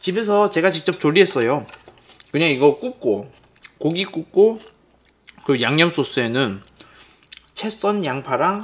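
Pitched high, a man speaks at a fairly slow pace with very wide pitch swings and long, frequent pauses. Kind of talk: casual mukbang chat. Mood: cheerful, enjoying food. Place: home room. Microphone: webcam.

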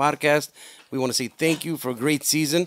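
An ordinary speaking voice with an American accent. It moves at a fairly quick pace with fairly even intonation. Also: man. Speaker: podcast host. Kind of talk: casual chat.

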